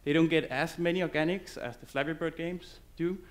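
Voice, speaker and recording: Male conference speaker, English, loose and halting on stage. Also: a little high, steady tone. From Denmark. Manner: loose, halting delivery with many fillers and restarts. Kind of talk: conference presentation.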